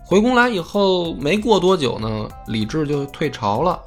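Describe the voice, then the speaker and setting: A man's voice: fairly high pitch, moderate pace, soft background music. A man, casually telling a history story as a podcast host and acting out the quotes. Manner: lively, acts out quotes in plain voice.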